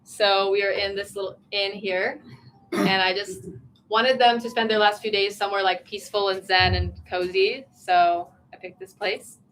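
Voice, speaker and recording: A woman's voice: mid-range voice, flat delivery, normal speed, fairly bright tone, a little hiss or hum, rough recording. A young woman from Virginia hosting a casual livestream from a small tea room, chatty and giggly as she reads viewer comments aloud. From Virginia, USA.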